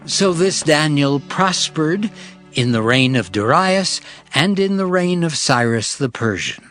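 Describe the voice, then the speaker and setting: A man's voice: a little high, animated, measured pace, a bit bright. A man narrating scripture dramatically, in a solemn storytelling manner. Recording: clear music behind the voice.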